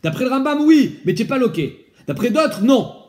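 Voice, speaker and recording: A man teaching a casual Talmud study lesson, explaining with lively questions and mixing in Hebrew and Aramaic terms. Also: extremely high pitch, moderate pace.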